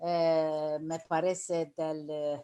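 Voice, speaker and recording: A woman speaks very slowly in a fairly low voice. Her tone is dark and mellow. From Turkey. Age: 60s. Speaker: Ladino-speaking community member. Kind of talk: interview.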